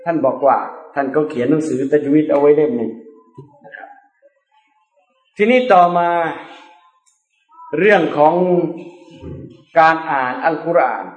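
A man teaching recitation in a loose, chatty lecture, his voice sitting a little higher than most men's. He talks in a colloquial way and drops playful asides, and the sound rings around an echoey room. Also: lo-fi sound. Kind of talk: informal religious lecture.

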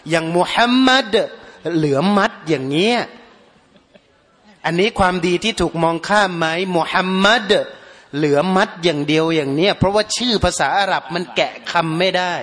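A man's voice: fairly high pitch, normal speed, a bit bright. A man, preaching a sermon earnestly, repeating his points for emphasis. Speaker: Muslim preacher. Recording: long hall reverb.

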